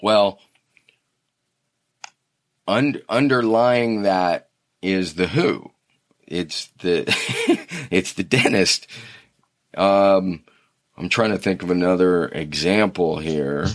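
A man's voice: low-pitched, lively intonation, extremely slow, long pauses. A man in casual conversation, telling a rambling story and restarting his sentences often. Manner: rambling, self-correcting storyteller.

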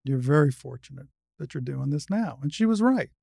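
A woman's voice: low voice, animated, brisk, vocal fry, dark tone, slightly rough, dry recording, studio quality. An American trans woman in her sixties speaking conversationally as an interview guest, telling anecdotes and giving opinions, often acting out quoted dialogue. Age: 60s.

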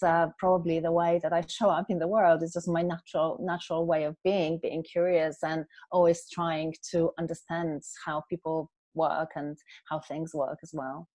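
A woman in her forties from Poland with a Polish accent, speaking as an interview guest in a thoughtful, measured way with frequent pauses. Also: on the low side, a little mellow, dry recording. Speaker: guest, culture consultant. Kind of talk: reflective interview conversation.

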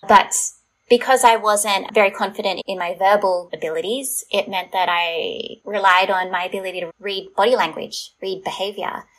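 A woman's voice: medium pitch, steady tone, moderate pace, a bit bright, low-quality recording. An Australian woman, a startup founder, candidly telling her life story as a podcast guest in a thoughtful, reflective way. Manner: thoughtful, candid, laughs lightly at times.

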